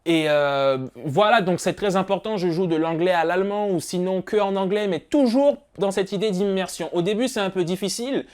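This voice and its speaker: A man's voice: high-pitched, fairly quick, few pauses, a little mellow. A young man from France giving casual advice straight to his viewers, chatty and full of fillers. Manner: chatty, addresses viewers directly with many fillers. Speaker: motivational YouTuber.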